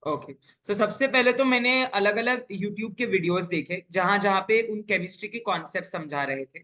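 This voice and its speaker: A man's voice: sits high, normal speed, pushed and bright. A young man, a top-ranked exam guest, explaining his study methods earnestly and step by step, mixing in English. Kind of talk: casual interview chat.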